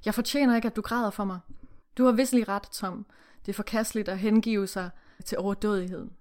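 A man's voice: high-pitched, fairly even intonation, a little mellow, natural voice. A woman voicing a wealthy young slave master, formal and polite, read from a book. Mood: moved.

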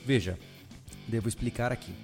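A man hosting a casual podcast, relaxed and joking, recorded in a bare new house whose room still echoes. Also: medium pitch, normal speed, soft background music. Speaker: podcast host. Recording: long echo from a bare room.

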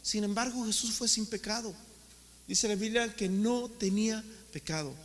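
A man's voice: high-pitched, moderate pace, a bit bright, long reverb tail. A man preaching a sermon as pastor, asking rhetorical questions and calling the congregation brothers. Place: church hall.

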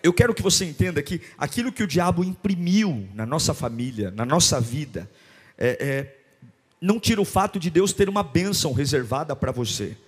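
A man's voice: fairly high pitch, animated, normal speed, husky. A man preaching a sermon in church with a Brazilian Portuguese accent, building his points through repeated, impassioned declarations. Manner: impassioned, repetitive rhetorical declarations. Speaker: pastor.

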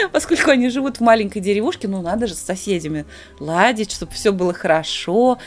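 A woman's voice: medium pitch, moderate pace, soft background music. A woman co-hosting a podcast, chatting casually and telling stories with acted-out quotes. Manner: lively storyteller, acts out quotes. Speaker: podcast co-host. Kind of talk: casual podcast chat, recommending a series.

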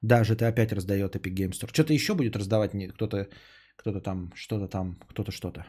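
A young man with a husky, mellow voice hosts a casual podcast stream. He reads donations and rambles sarcastically, trailing off into mutters. His tone stays dark and breathy. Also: lowish voice, a little fast. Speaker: podcast host reading donations.

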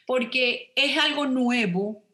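A woman's voice: sits high, slow, bright, forceful tone. A woman, an immigration lawyer explaining the rules on a radio advice program, stopping often to check with "ok?". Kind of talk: radio call-in advice talk.

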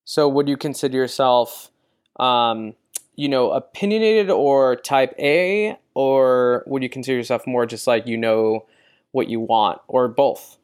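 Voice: medium pitch, measured pace, clear, resonant tone. An interviewer asking numbered questions in an upbeat, encouraging manner.

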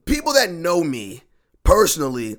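Man, hoarse lost voice, sports podcast host, solo rant, frustrated, swearing, repetitive. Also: fairly high pitch, wildly swooping pitch, normal speed, a bit bright. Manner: frustrated, profane, repetitive ranting. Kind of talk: solo ranting sports talk.

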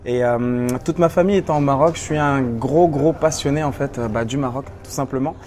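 A man's voice: medium pitch, fairly quick, darkish tone, slight background noise. A young man from Morocco, guest in a casual interview at a seminar, answering in a hesitant, easygoing way with many fillers. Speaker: guest blogger. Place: seminar venue.

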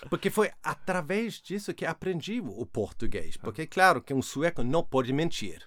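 A middle-aged Swedish man with a Swedish accent, speaking as a guest in an interview and telling a story with hesitant pauses and restarts. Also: on the high side, very animated, a bit bright, no echo, studio quality. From Sweden. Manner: hesitant, with many fillers and restarts.

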